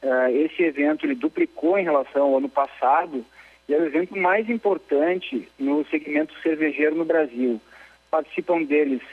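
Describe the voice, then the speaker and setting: A man's voice: fairly high pitch, normal speed, slightly rough. A man, calling in by phone to explain a beer festival. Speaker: phone caller, beer trade. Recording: tinny phone line.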